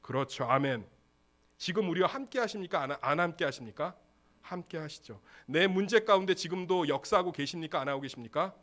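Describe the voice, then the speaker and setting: Korean guy pastor preaching, bit high voice, keeps asking the crowd questions n answering them. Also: brisk. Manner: call-and-response questions to the congregation, lively and emphatic; acts out quoted lines in a casual voice. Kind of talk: sermon. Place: church sanctuary.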